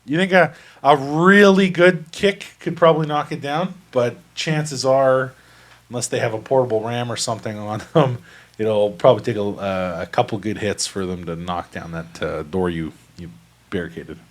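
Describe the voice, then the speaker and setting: A man's voice: mid-range voice, steady tone, normal speed. A man running a tabletop game as game master, describing the scene methodically. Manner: methodical, explanatory.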